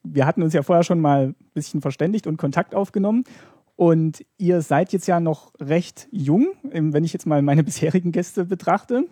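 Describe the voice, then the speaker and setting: A man's voice: a little high, moderate pace, dark tone, husky, dry recording, studio quality. A man hosting a podcast interview, politely and somewhat hesitantly moderating his guests. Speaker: podcast host.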